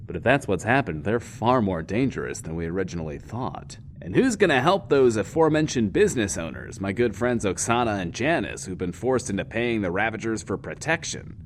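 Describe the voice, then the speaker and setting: A showboating lonely bunker dj, theatrical and wordy, lowish voice that swoops around, radio drama. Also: male voice, very animated, a little fast, few pauses, slight background noise. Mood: showy, gossipy. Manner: theatrical, self-important, wordy. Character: showboating lonely male post-apocalyptic bunker radio host. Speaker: radio host. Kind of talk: in-world radio show monologue, audio drama.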